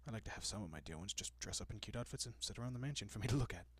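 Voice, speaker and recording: A man playing a gentle, courteous, possessive vampire in an intimate audio roleplay, speaking softly and often dropping to a whisper with hushed reassurance. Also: lowish voice, expressive, very fast, breathy edge, no room sound. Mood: calm, explaining. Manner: hushed, reassuring, politely old-fashioned.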